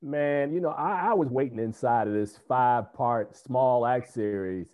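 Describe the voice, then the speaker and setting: A man's voice: medium pitch, measured pace, narrow, tinny audio. A man hosting an interview, asking questions in a friendly, chatty way. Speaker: interview host.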